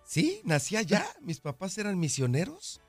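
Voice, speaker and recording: A man's voice: sits high, normal speed, soft background music. A man presenting sports news on a morning show, then joking and laughing in studio banter with his co-host. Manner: lively, playful, laughs easily.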